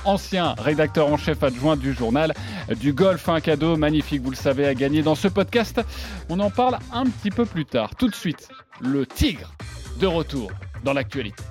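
Male podcast host, fairly high voice, lively sports presenting, faint music behind. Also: moderate pace. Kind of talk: lively scripted presenting of a golf talk show.

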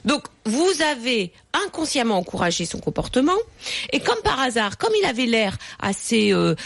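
A woman veterinarian giving calm, repetitive advice to callers on a radio call-in show. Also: a little high, normal speed, creaky, no echo. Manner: explains patiently, repeats key points. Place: radio studio.

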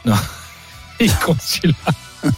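A man's voice: slow, faint music behind. A man running a quiz on a football show, teasing the players and laughing as he goes. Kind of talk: casual banter on a football quiz.

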